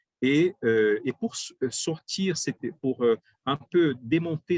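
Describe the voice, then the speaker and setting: Speaking at a very slow pace with lively intonation, a man with a Portuguese accent is heard in a dry, close recording with no echo. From Brazil. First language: Portuguese (speaking French). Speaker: history professor. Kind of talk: academic interview talk. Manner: halting, many hesitations.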